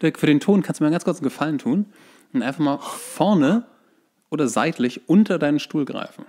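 A man's voice: on the high side, lively intonation, fairly quick, darkish tone. A man co-hosting a podcast in casual, bantering conversation. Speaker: podcast co-host.

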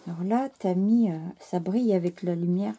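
French woman, gravelly low voice, mellow and husky, gushing, halting, losing her voice. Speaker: scrapbooking channel host. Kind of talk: casual unboxing chat to camera.

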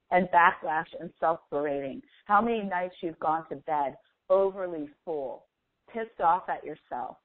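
A woman's voice: fairly low pitch, dry recording. Phone-like recording of woman guiding meditation. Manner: slow, deliberate, instructive, with long pauses. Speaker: meditation guide, coach. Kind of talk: guided meditation and visualization. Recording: phone-like thin, band-limited audio.

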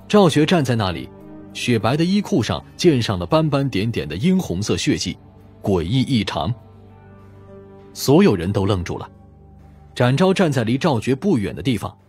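Male narrator, mid-pitched, lively and dramatic delivery of crime fiction, light music bed. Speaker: audiobook narrator.

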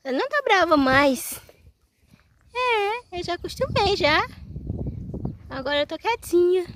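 A woman voicing a tame young female sheep in a high, cutesy baby voice. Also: very animated, measured pace, a bit bright, a little hiss or hum, exaggerated voice. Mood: sweet, cutesy.

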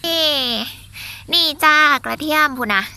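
A woman's voice: high voice, unhurried, gravelly, sharp tone. A woman with an Isan accent giving a chatty walking tour of her vegetable garden, exclaiming and talking straight to her viewers.

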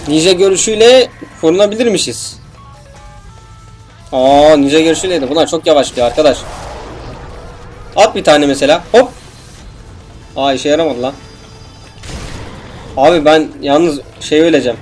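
Excitable young man joking over gameplay. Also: a little high, moderate pace, long pauses, faint music behind. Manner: joking, swearing, excitable, talks to the game. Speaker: gameplay commentator. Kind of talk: casual let's play commentary.

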